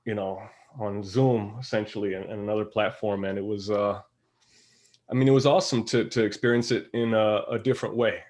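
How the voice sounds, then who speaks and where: Dude actor chatting on a panel, kinda low voice, very informal, stop-start thinking out loud. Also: male voice, steady tone. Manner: halting, informal, thinking aloud. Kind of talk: casual panel conversation.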